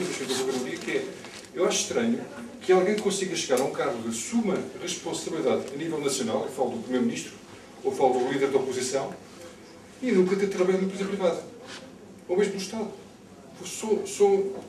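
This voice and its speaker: A middle-aged man with a Lisbon accent speaks quickly and a little high, pressing his political points with emphatic repetition. He is picked up by a distant camera microphone in a room, with clear noise behind him. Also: a little mellow. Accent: Lisbon Portuguese. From Lisbon, Portugal. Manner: emphatic, repeats words as he builds points. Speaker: candidate speaking on a panel. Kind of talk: extemporaneous political talk at a public debate. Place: bookshop-like indoor room with seated audience. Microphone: far camera. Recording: distant camera mic, echoey, noisy room.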